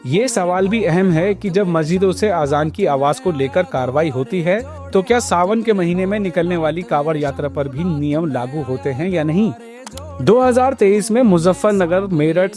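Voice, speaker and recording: A man's voice: a little high, normal speed, darkish tone. A man narrating a scripted news report as a reporter, explaining and posing pointed questions. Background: background music.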